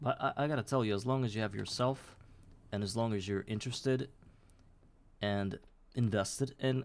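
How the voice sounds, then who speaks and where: A man at medium pitch with a non-native accent, fairly even intonation and a moderate pace. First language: Russian. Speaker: streamer. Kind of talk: casual chat. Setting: live stream. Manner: halting, trips over words.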